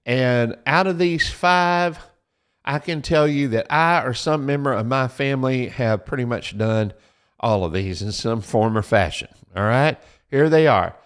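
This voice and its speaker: A man's voice: medium pitch, measured pace, smooth. A man hosting a Christian show, giving practical advice in a folksy, repetitive, preaching style and urging listeners to write things down.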